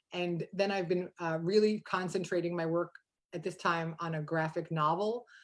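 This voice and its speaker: A woman with an American accent speaks in a normal speaking voice, her pitch fairly low and her intonation fairly even. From New York area (Queens and New Jersey). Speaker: artist. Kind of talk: artist talk on video call. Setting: video call.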